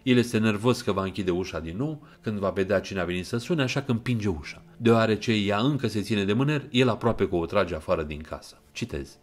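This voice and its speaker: A man narrating an audiobook retelling of a novel in an even, measured way, quoting passages. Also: lowish voice.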